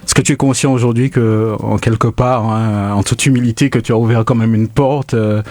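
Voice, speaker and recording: A man hosts a radio interview, his questions halting and padded with fillers. His voice is mid-range in pitch. The room sounds dry and close. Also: fairly even intonation, darkish tone, no room sound. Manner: hesitant, many fillers and restarts, friendly questions. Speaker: radio host.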